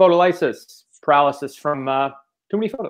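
In a quiet background, a man talks in a fairly high voice with ordinary pitch variation. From Atlantic Canada (Prince Edward Island); Atlantic Canada. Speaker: comedy podcaster. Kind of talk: comedic game show banter. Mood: playful, joking. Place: home room. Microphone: earbuds.

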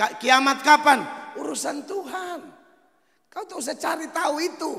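A man talks at an extremely high pitch in a raised, projected voice with an animated tone, ordinary pitch variation and big swings in loudness. His pace is moderate, with long, frequent pauses, against a quiet background. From Kupang, East Nusa Tenggara, Indonesia; East Nusa Tenggara, Indonesia. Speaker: pastor. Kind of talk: sermon. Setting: church. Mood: emphatic, lightly humorous. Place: church. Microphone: handheld.

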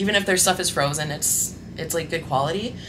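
A woman speaks at a fairly quick pace in a fairly low pitch, with music playing in the background. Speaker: food vlogger. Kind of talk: casual vlog chat. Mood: relaxed, enthusiastic. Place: home room.

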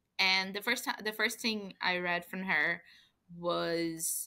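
In a very clean recording with a silent background, a woman with a Portuguese accent speaks at a fairly slow pace in a bright, sharp tone with fairly even intonation. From Brazil. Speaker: romance author. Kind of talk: casual chat.

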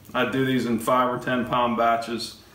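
A man talks at a moderate pace. Light background noise and an audible room echo come through. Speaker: home cook host. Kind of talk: tutorial. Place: kitchen. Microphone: camera far.

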